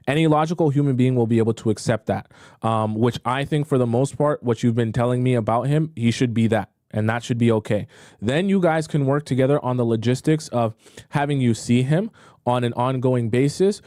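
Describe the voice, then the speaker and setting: A man coaching on dating during a livestream, reading viewer questions and reacting with animated disbelief. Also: mid-range voice, no echo, studio quality. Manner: animated, incredulous, talks to chat. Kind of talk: livestream advice talk.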